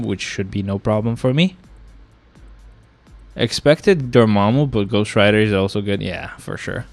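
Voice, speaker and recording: This young man's voice runs on the low side, and there's no room sound at all. He has a cold that leaves his nose stuffy as he talks casually to his stream audience, growing exasperated with the game. Chatty and easily annoyed, he keeps speaking to chat.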